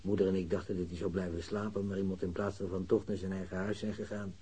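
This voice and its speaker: An older father, with a low, husky voice. He is homely and chatty, speaking in a soft-edged, mellow tone like an ordinary householder. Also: flat delivery, quick pace. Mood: chatty, eager. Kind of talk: Dutch radio drama dialogue.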